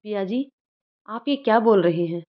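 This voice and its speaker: A woman's voice: medium pitch, expressive, moderate pace, close to an everyday voice. A woman voicing a frightened young wife who stammers and pleads, read as a storybook role. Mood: scared. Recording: dull lo-fi recording.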